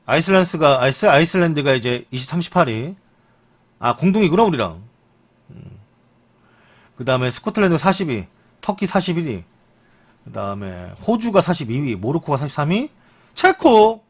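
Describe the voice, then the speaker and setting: A man's voice: moderate pace, pauses often, slightly rough. A young man streaming live, reading football news in a chatty, joking way and muttering asides. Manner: chatty, lively pitch, jokes and mutters asides. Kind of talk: casual live-stream commentary.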